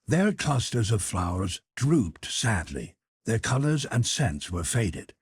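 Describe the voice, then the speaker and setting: A man narrates a literary audiobook in a measured, expressive storytelling style. His voice is fairly low and husky.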